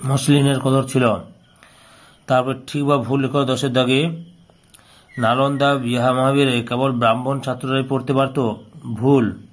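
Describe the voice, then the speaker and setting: A man's voice: medium pitch, little pitch movement, unhurried, pauses often. A man teaching by reading out questions and answers, repeating phrases as if dictating. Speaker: history teacher solving an exam paper.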